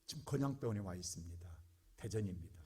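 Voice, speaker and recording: A male pastor preaching a sermon with passion, going from quiet talk to shouting. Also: deep voice, lively intonation, quick pace, husky.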